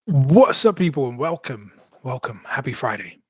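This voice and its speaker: A man's voice: medium pitch, sing-song, normal speed, slightly rough. A man hosting a casual podcast in an upbeat, easygoing way. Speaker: podcast host. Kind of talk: casual chat.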